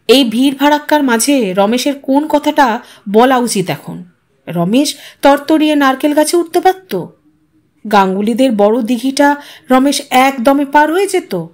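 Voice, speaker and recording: A woman's voice: sits high, darkish tone. A woman reading a story aloud as a scripted audiobook narration.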